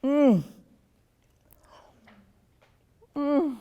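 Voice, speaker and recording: A woman's voice: high-pitched, slow pace, dark tone, dull audio. A woman performing an elderly Jewish immigrant grandmother in a nursing home, with a gossipy, teasing way of talking that drifts into confusion. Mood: doting. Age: older. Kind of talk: one-woman stage monologue.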